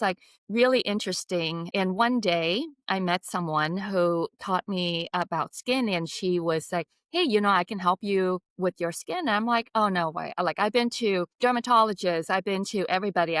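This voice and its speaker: A woman in her fifties from Vietnam tells her story as a podcast guest, lively and full of casual fillers. Her voice is smooth and a little low. The room sound is dry and close. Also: no echo. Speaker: guest, skincare founder.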